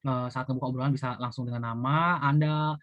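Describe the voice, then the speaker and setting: A man's voice: medium pitch, steady tone, quick pace, no room sound, lo-fi sound. A young man, a university student, giving a casual spoken lecture, chatty and full of fillers. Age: young adult. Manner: chatty, many fillers like gitu and eee.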